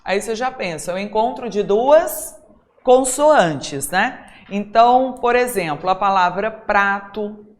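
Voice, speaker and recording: A woman's voice: medium pitch, lively intonation, a little slow. A middle-aged Brazilian woman teaching an exam-prep language lesson, chatty, talking straight to her students and checking in with them often. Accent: Brazilian Portuguese. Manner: chatty, addresses students directly with frequent tag questions.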